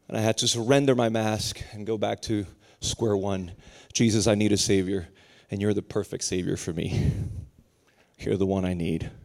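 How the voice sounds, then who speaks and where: Male pastor from Puerto Rico, thirties, animated sermon delivery, jokes then climbs higher and more intense. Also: gravelly. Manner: lively, humorous preaching that climbs higher and more intense as it goes.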